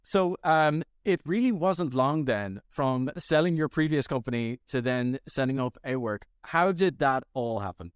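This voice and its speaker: A man's voice: medium pitch, expressive, measured pace, few pauses, clean tone, no echo, clean studio sound. A man hosting a podcast, interviewing a founder and reacting with upbeat, effusive affirmations. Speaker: podcast host.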